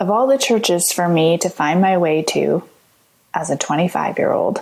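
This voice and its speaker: This is an unremarkable speaking voice with a Canadian accent, moving at a moderate pace. Its intonation is lively and its loudness very even. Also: woman, fairly low pitch for a woman. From Ontario, Canada (Ottawa and London). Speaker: writer and photographer. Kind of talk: interview conversation. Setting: podcast interview.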